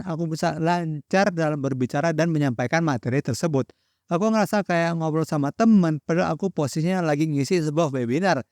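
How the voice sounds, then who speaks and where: A man's voice: a little high, a little mellow, no echo, clean studio sound. A young man from Indonesia giving a direct, friendly solo tutorial on public speaking to camera. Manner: direct, addresses viewer as friend, instructive. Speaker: content creator teaching public speaking.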